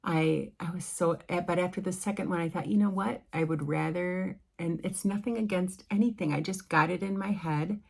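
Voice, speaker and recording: Slow, gravelly-voiced woman stitcher chatting. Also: on the low side. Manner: chatty, rambling, with many ums and restarts. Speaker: cross-stitch vlogger. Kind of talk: casual show-and-tell chat. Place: at home.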